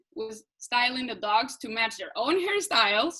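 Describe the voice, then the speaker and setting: A woman's raised, projected voice has a bright, sharp tone and moves at a fairly slow pace. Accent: Colombian. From Colombia. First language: Spanish. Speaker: guest reader. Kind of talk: casual interview.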